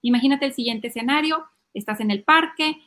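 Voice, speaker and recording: A woman's voice: high-pitched, fairly quick. A middle-aged woman giving parenting advice on a podcast, acting out little family scenes. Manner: lively, acts out child and parent voices. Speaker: podcast guest speaking on parenting.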